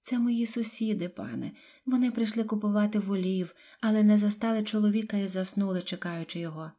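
A woman's voice: medium pitch, brisk, mellow, pitched above the performer's own voice, natural voice. A woman voicing a shepherd's wife who answers respectfully and carefully in an audiobook. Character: shepherd's wife, frightened but steady.

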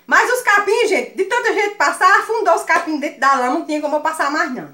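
A woman with a Northeastern Brazilian accent telling a funny story to her viewers, animated and laughing often. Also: extremely high pitch, quick pace. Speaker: vlogger. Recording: echoey room sound.

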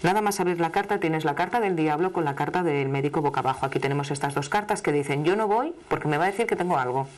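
A middle-aged woman from Asturias, Spain, speaking with an Asturian Spanish accent, gives a live tarot reading to a caller on television, emphatic, familiar and chatty. Her low-pitched voice races along with hardly any pauses, caught on a studio microphone at a desk with slight background noise.

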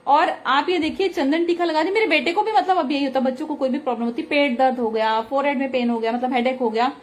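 A woman's voice: high voice, quick pace. Earnest woman telling a devotional story. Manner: earnest, chatty storytelling with many fillers. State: slightly hoarse throat. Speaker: satsang speaker. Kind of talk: devotional singing then testimony talk. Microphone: phone close to face.

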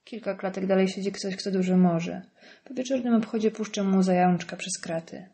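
A woman's voice: mid-range voice, fairly even intonation, moderate pace, vocal fry, warm tone, lightly acted. A woman voicing a crude, mocking male prison inmate in an audiobook, with a vulgar, taunting manner.

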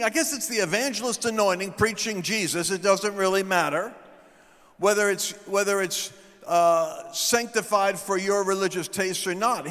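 A middle-aged man preaches on a large stage, telling stories into a handheld mic. His voice sits high for a man. Now and then he rises into shouted proclamations, and a long reverb trails every word through the hall. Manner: storytelling, building to shouted proclamations. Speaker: guest speaker.

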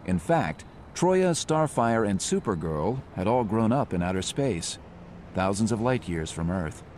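A man narrating a motion comic in a measured, descriptive manner. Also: fairly low pitch, very animated, a little mellow, slight background noise. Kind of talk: scripted narration. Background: music.

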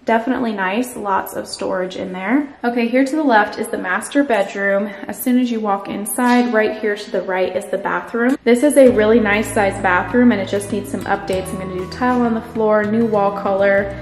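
Female home vlogger, upbeat casual tour delivery, mid pitch, reverberant empty-house sound with music underneath. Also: moderate pace. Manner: upbeat, enthusiastic. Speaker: home renovation vlogger and host. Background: background music.

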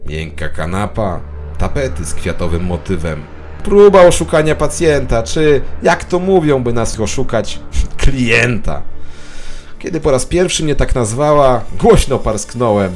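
Man playing a paranoid, animated office worker, music behind. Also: medium pitch, measured pace. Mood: scornful. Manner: obsessive, conspiratorial, bitterly sardonic. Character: paranoid, suspicious male office worker narrating his dreary day. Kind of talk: scripted audio drama monologue.

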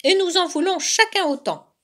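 Two greedy little bear cubs bicker in high, shrill, whining voices that leap up and down, as a woman puts them on. They sound like storybook youngsters, always hungry and quick to quarrel. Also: sing-song. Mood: quarrelsome. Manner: shrill and whiny.

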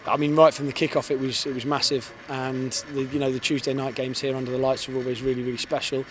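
A football head coach in his thirties gives a post-match interview on the pitch at night, speaking quickly and earnestly into a reporter's handheld mic held in front of him. His pitch stays fairly flat, and he restarts phrases by repeating words. The noise of the outdoor stadium is clearly audible behind him.

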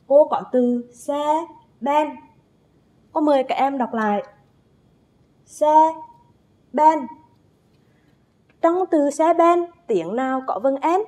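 A woman teacher giving a first-grade phonics lesson, speaking with slow, careful enunciation and drawn-out spelling drills as she calls young pupils to read along. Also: high voice, darkish tone. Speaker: primary school teacher.

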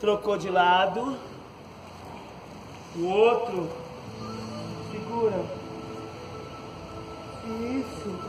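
Brazilian guy with a really high voice slowly talking a class thru stretches outside, music going behind. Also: low-quality recording. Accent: Brazilian Portuguese. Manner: calm step-by-step breathing cues, light joking. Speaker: fitness instructor. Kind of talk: guiding an outdoor stretching class. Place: outdoor court, large open space. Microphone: far camera on the ground. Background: background music.

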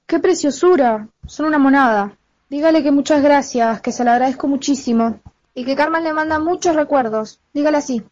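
Young woman acting a high-voiced, bossy Argentine mother. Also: fairly quick, darkish tone, lightly acted. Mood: gushing. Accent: Argentine (Buenos Aires). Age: teenager or young adult. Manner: bossy, exclamatory. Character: domineering, scolding middle-aged widowed mother, scheming and practical. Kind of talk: amateur school radio play acting. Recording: dull lo-fi home recording.

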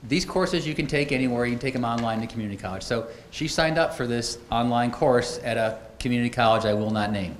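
A man's voice: mid-range voice, fast, few pauses. A middle-aged man giving a conference keynote at a podium, telling stories in a conversational way with wry asides. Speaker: keynote speaker. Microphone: podium microphones. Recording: echoey auditorium, faint noise.

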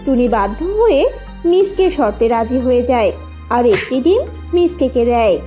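Woman narrator, children's storytelling, animated intonation, gentle dark timbre, light background music. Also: a little high, normal speed.

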